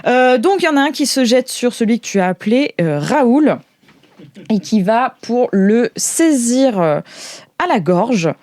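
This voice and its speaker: A woman's voice: a little high, expressive, a little slow, a little mellow, dry recording. A woman running an improvised tabletop game, narrating casually and hesitantly as she thinks aloud. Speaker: game master.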